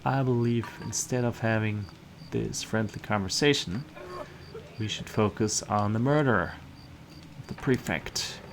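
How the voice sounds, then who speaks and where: Man reading a curt, low-voiced investigator. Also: measured pace, background noise. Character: stern, probing male investigator questioning a guard.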